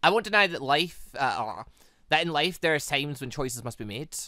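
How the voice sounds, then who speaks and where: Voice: medium pitch, expressive, moderate pace, bright, forceful tone, no echo. A let's play host reads a young henchwoman from a visual novel. She is eager to serve and speaks politely, with earnest, hesitant deference. The sound is dry and close. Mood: earnest, deferential. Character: deferential, eager young female henchwoman devoted to her mistress.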